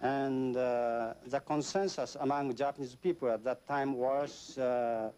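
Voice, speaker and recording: Interpreter voice-over: male, mellow, hesitant delivery full of pauses. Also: medium pitch, fairly even intonation, clear, resonant tone. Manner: halting, frequent pauses with "uh". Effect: interpreter's translation voice-over. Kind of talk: spoken interpretation in a documentary.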